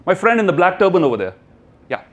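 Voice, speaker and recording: A man's voice: high voice, big pitch swings, quick pace, fairly bright tone, highs cut off. A man with a North Indian accent giving an emphatic motivational talk to a live audience, prompting listeners with questions and repetition. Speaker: motivational speaker.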